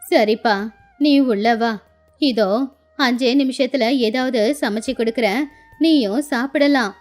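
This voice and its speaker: A woman voicing an affectionate, sorrowful elderly village grandmother, speaking slowly and plaintively in a children's moral story. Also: on the high side, faint music behind, lightly acted. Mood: tender, resigned. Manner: plaintive, slow, tender.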